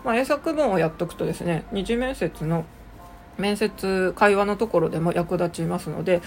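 Chatty woman teaching English, slightly low voice. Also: slight background noise. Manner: relaxed, chatty, many fillers, slow on English words. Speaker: podcast host teaching English exam prep. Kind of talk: casual solo podcast lesson.

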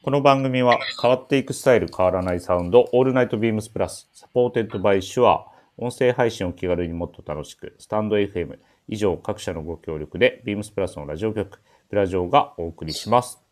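A man's voice: on the low side, quick pace, few pauses. A man hosting a casual radio show, chatting with his guests.

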